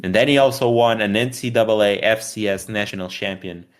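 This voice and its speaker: Guy from portugal chatting sports on a podcast, lowish voice, blunt, sweary, rambly. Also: fairly quick. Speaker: podcast co-host. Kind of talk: casual sports podcast chat.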